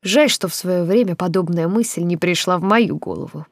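A woman narrator voicing a poised court lady in her fifties, measured and slightly gloating. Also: on the low side, no echo, clean studio sound. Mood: gracious. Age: 50s. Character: poised older court lady, wry and gracious.

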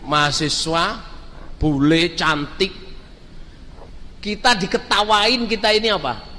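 A man's voice: high-pitched, slow, in a large hall, a little hiss or hum. A man preaching a sermon, telling stories and speaking straight to the congregation. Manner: storytelling, lively, addresses the crowd directly.

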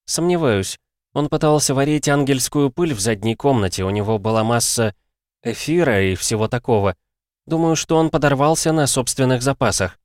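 A tense, determined mother who keeps her voice measured and restrained, lifted a little above a man's usual range, as a male reader voices her. Her words sound close and dry. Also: medium pitch, lively intonation, darkish tone, no room sound, pitched above the performer's own voice, close to an everyday voice. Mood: guarded.

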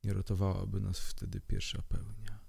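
A man voicing a stern old male werewolf pack leader, calm and commanding in an audiobook. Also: low-pitched, normal speed, gravelly, husky, full character voice.

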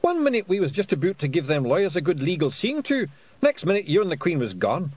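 A man voicing a tiny, fierce fairy chief with a loud, gruff brogue. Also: on the high side, huge pitch swings, quick pace, pitched above the performer's own voice. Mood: rowdy.

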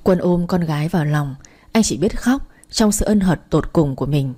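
Woman, first-person story narration, low pitch, mellow tone, dramatic reading. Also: lively intonation, normal speed.

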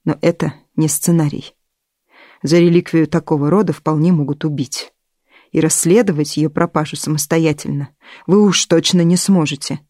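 A woman voicing a man who speaks in a low, preachy, edifying tone. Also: steady tone, moderate pace, dark tone, dry recording, clean studio sound.

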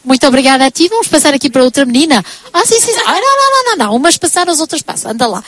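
A woman's voice: sits high, sing-song, racing, a bit bright. A woman, interviewing students live on radio in a chatty, effusive and encouraging way.

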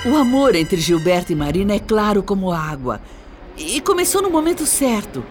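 A woman's voice: medium pitch, big pitch swings, moderate pace, over music, lightly acted. A woman acting a shrewd, middle-aged Brazilian wife and mother in a radio soap opera, earnest and emphatic in her persuasion. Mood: sentimental, persuasive.

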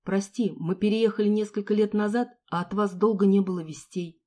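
Woman voicing a calm, caring young man. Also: medium pitch, brisk, lightly acted. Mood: concerned, firm.

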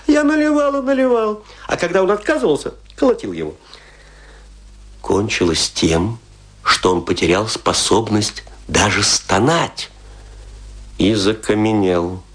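An actor playing a boastful, scornful provincial tragedian in a radio play, telling his tales theatrically with emphatic, pointed pauses. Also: mid-range voice, fairly bright tone. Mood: boastful relish. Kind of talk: dramatic radio play monologue.

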